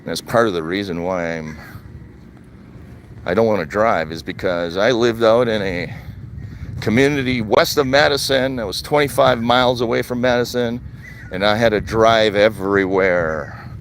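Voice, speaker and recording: A man's voice: on the low side, moderate pace, a little hiss or hum. An older man from Wisconsin, chatting casually on a live stream while walking outdoors. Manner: plain, conversational, repeats his points. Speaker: vlogger. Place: outdoors, walking in a retirement community.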